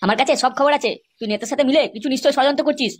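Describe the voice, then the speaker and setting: A man voicing a foul-mouthed, hot-tempered young cartoon husband with an aggressive manner and pitched-up voice. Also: rapid-fire. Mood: accusing. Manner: aggressive, swearing.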